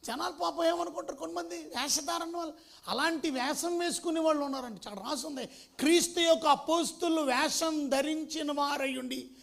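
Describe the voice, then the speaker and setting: A man's voice: extremely high pitch, fairly quick, vocal fry, fairly bright tone. A man preaching a sermon, often quizzing the congregation and dropping English phrases into his talk. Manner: emphatic, questioning the congregation. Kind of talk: Telugu sermon.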